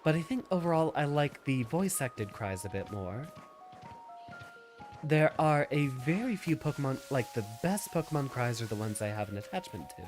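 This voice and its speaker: A man's voice: medium pitch, sing-song, normal speed, darkish tone, soft background music. A man streaming a video game with a stuffy, slightly nasal nose, musing aloud in an easygoing way and answering viewers' questions.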